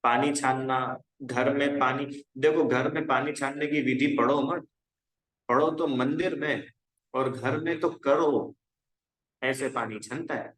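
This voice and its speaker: In a reverberant space with poor audio, a man with a mid-range voice leads a casual religion class for young people, his tone steady, unhurried and a bit bright. He talks conversationally, exhorts the youths, and keeps asking whether they're following along.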